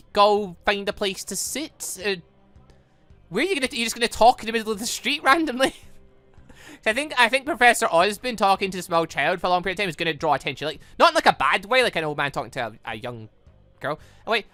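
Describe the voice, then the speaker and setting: A gaming host with an excitable, rambling, stammering delivery, reading and reacting to a story game. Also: medium pitch, no room sound. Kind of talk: playthrough commentary, reading dialogue aloud.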